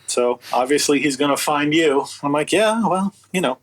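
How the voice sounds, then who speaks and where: Husky, higher-voiced man, incredulous storyteller. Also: normal speed, poor audio. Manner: animated retelling with acted-out quotes, incredulous and sardonic. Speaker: interview guest, audio book producer. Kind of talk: casual conversational storytelling.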